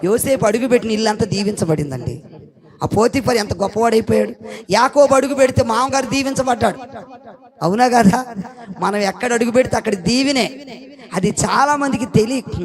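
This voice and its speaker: A middle-aged pastor, preaching an animated sermon full of stories in which he acts out the people he quotes, breaking into loud shouts of hallelujah. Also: high-pitched. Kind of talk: sermon with anecdotes.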